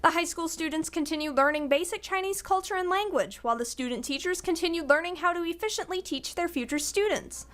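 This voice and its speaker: A woman student reporter reading a scripted news package in an even manner. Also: very high voice, brisk, few pauses.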